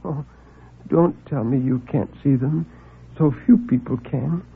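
A man's voice: medium pitch, measured pace, vocal fry, slightly rough, phone-quality sound, pitched above the performer's own voice, full character voice. Man doing a timid stammering little man. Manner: hesitant, stammering, soft. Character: timid tiny nervous man, apologetic.

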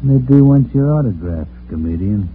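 A man's voice: medium pitch, animated, moderate pace, a little hiss or hum, lightly acted. An actor playing a tough, sarcastic gangster henchman who talks in curt threats and gangland slang, in an old-time radio crime drama. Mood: cold menace. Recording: tinny, humming old radio recording.

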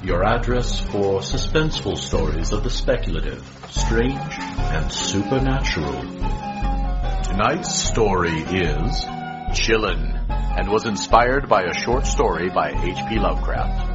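A man's voice: sits low, animated. A man announcing an audio drama anthology, reading a scripted intro with dramatic emphasis. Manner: slow, dramatic delivery. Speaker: show announcer. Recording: lo-fi, over loud guitar music.

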